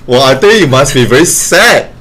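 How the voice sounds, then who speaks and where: A man's voice: medium pitch, animated, fairly quick, fairly bright tone. A man hosting a casual studio interview, teasing and joking with his guest. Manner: teasing, jokey. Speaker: host. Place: web radio studio.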